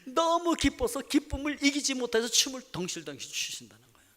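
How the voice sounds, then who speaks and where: A male pastor preaching a dramatic sermon, swinging between loud exclamations and hushed asides. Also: very high voice, very animated, a little fast. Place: church sanctuary. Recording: echoey church hall.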